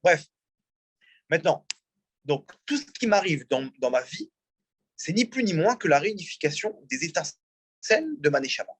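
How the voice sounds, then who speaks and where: A man's voice: on the high side, animated, moderate pace, long pauses, slightly rough, dry recording. A man, a rabbi, teaching a religious class and asking his audience questions as he explains. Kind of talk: religious lecture. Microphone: in-room mic, also streamed on a video call.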